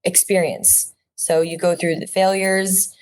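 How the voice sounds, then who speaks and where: A woman's voice: on the low side, level tone, a little slow, darkish tone, slight background noise. A woman in her thirties from Orange County, speaking as an actress guest in a casual interview, earnest and reflective with frequent fillers and restarts. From Orange County, California.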